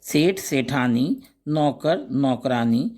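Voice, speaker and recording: A male teacher works through a grammar lesson, reading out word pairs one at a time. He speaks very slowly and deliberately, pausing after each word. His voice sits at an ordinary mid pitch. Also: animated, darkish tone. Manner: slow, deliberate recitation of word lists with brief explanations.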